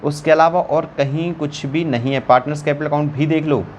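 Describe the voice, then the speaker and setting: A man's voice: a little high, steady tone, fairly quick, slight background noise. A man teaching an online accountancy class, working sums aloud while writing and teasing his students. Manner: chatty, teasing, calls students beta.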